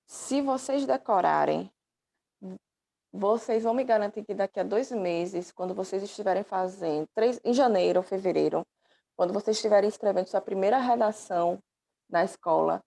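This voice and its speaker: A woman teacher leads an online lesson, her mid-pitched voice carrying a gravelly edge. She explains patiently, checks in with her pupils and calls them dear. It sounds like a laptop microphone. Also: normal speed, warm tone. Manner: affectionate, calls students "dear". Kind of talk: online class lecture.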